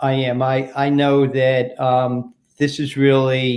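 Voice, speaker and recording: This man speaks at medium pitch in a monotone, flat intonation. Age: 60s. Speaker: small business owner. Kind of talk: interview.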